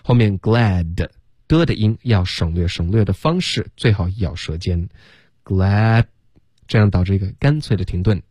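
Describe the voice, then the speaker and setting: A man teaching English pronunciation on the radio, patiently drilling sounds slowly and mixing English phrases into his Chinese explanations. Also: low voice, expressive, a little mellow, husky, no room sound, studio quality. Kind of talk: radio language lesson. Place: radio studio. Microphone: studio mic.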